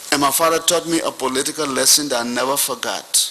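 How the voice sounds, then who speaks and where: Noticeable background noise sits behind a man whose pitch is fairly high and whose pace is moderate. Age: 50s. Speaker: truth commission witness. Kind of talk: testimony. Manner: emotional storytelling.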